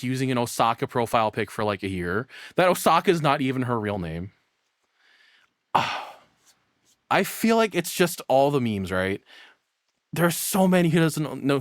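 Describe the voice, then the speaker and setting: A man's voice: mid-range voice, no echo. Male reaction streamer, mid-range voice, sarcastic and profane rambling, very dry recording. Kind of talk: casual reaction commentary, sarcastic asides.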